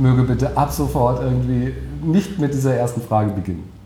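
Moderate-paced speech from a man, plus audible room echo and noticeable background noise. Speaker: presentation and moderation trainer, podcaster. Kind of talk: interview conversation. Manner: calm, not nervous.

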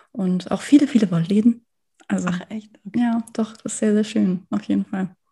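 A woman speaks at a fairly quick pace with a medium pitch and ordinary pitch variation. Her tone is dark and mellow, and somewhat breathy. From Germany, bilingual German-Danish. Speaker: hobby knitter and knitting pattern designer. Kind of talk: casual interview chat.

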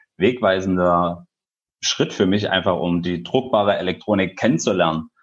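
A man with a very deep, low-pitched voice. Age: 30s. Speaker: startup founder. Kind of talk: interview. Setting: video call.

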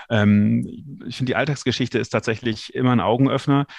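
The man's pace is moderate. His voice is pitched in the medium range. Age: 40s. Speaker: historian. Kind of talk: interview. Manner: halting.

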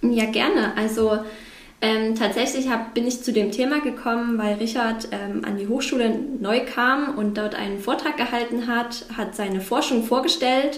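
Over noticeable background noise and audible room echo, a woman talks at a moderate pace with fairly even intonation. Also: fairly high pitch for a woman. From Saxony, near Leipzig. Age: 20s. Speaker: master's student. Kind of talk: casual chat.

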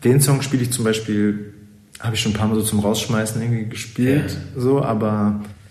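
With audible room echo, a man speaks at a fairly quick pace in a medium pitch and a monotone, flat intonation. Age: 20s. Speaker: wedding DJ. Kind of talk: casual chat. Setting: office.

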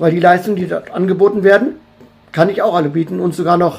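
A man speaks in a high voice with fairly even intonation. Noticeable background noise runs under him. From Hesse, near Gießen. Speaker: DJ. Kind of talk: video statement.

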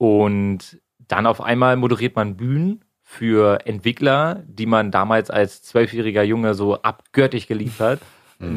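An ordinary speaking voice, male and medium-pitched, its pitch moving in an ordinary way, with a silent background on a very clean recording. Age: 20s. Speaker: gaming streamer and stage moderator. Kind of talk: casual chat.

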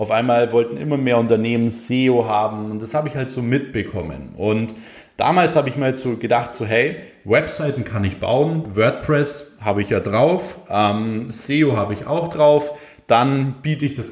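A man's energetic tone at medium pitch, fairly slow in pace, with ordinary pitch variation. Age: 20s. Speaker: entrepreneur and podcast host. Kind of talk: casual solo podcast monologue. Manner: energetic, lots of filler words.

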